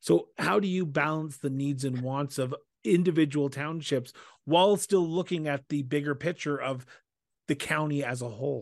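Here is a man with a Canadian accent and an ordinary speaking voice, pitched fairly high with ordinary pitch variation. He keeps a moderate pace against a quiet background. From Southern Ontario, Canada. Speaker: podcast host. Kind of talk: interview.

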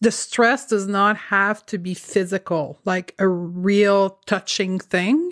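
A woman with a French accent at medium pitch, in a dry, close sound with no echo, on a very clean recording with a silent background. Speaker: podcast host and clinical nutritionist. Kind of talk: interview on health podcast.

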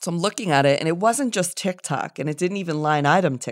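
A fairly quick pace in a very clean recording with a silent background. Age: 40s. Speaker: news content creator. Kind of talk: interview. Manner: calm, soothing.

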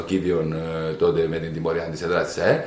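Audible room echo and noticeable background noise surround the voice. A man speaks at a moderate pace. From Cyprus, Nicosia (Kaimakli). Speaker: former basketball player and coach. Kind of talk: interview, career storytelling.

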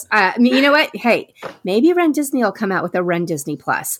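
Her fairly high voice carries vocal fry and very wide pitch swings as the woman speaks at a moderate pace. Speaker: podcast host. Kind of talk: casual chat.

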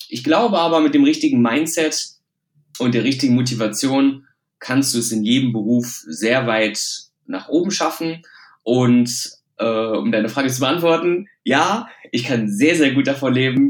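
A plain, everyday voice belongs to this man, who speaks at a fairly slow pace. His pitch is medium, with ordinary variation. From Rhineland, Germany (Hilden near Düsseldorf). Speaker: magician and motivational speaker. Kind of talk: podcast interview.

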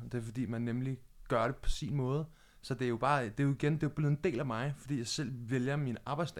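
Here is a man with a normal speaking voice at medium pitch, going at a fairly quick pace. His intonation is fairly even, and the recording is very clean with a silent background. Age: 20s. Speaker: product developer. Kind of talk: interview.

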